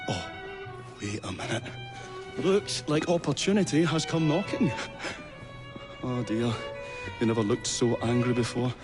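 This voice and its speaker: A man's voice: medium pitch, natural voice. A man voicing a fussy, eccentric Victorian inventor who talks hesitantly, with many ums, politely and nervously. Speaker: inventor ally.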